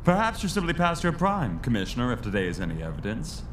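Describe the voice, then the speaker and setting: Pompous politician, wildly swooping voice. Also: male voice, mid-range voice, huge pitch swings, fast, fairly bright tone, a little hiss or hum. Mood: snide, mocking. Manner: pompous, theatrical. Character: indignant, jittery, snide city politician. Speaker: actor in an audio drama. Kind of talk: 1940s pulp radio drama acting.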